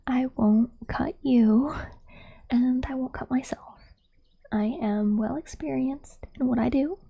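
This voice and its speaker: A woman doing an ASMR roleplay in a gentle, reassuring, breathy whisper, speaking softly and slowly close to the microphone. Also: high voice. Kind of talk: soft-spoken ASMR roleplay.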